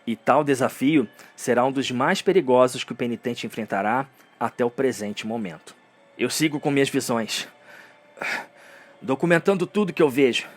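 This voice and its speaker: A man's voice: mid-range voice, moderate pace. A man with a Brazilian accent narrating a story in a solemn, theatrical, dramatic scripted style.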